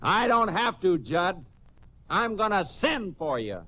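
A man playing a steady, commanding Texas Ranger in a 1950s radio western, giving firm clipped orders, on a dull, crackly recording. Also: high voice, slow, heavily acted. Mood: shouting orders.

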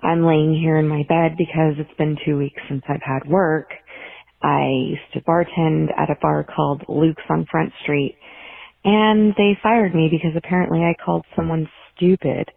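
A woman's voice: deep voice, flat delivery, moderate pace, vocal fry. A downcast woman from Temecula, California, leaving a casual voicemail over the phone. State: downcast, in a funk. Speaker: voicemail caller. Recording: tinny, narrow phone voicemail.

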